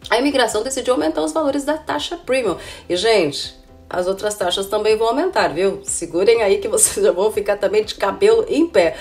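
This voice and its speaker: An immigration consultant in her thirties hosts a laid-back informative vlog, her voice hoarse and rough from a cold. Medium in pitch, darkish, and a little fast, she chats to viewers as "gente," sprinkling in "né?" and "viu?", while faint music plays behind. The camera is close, in an indoor room with window blinds.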